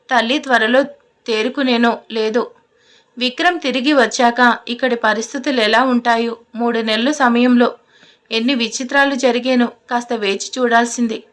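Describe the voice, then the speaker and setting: A woman narrating a scripted audio love story in a steady read-aloud manner. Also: fairly high pitch.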